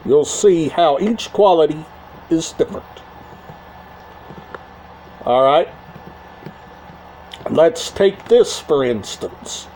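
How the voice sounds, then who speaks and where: A man hosting a casual video, talking in short, halting phrases and often repeating himself. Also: a little high, animated, darkish tone, a little hiss or hum, low-quality recording. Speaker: YouTube channel host. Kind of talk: casual talk to camera about a media collection.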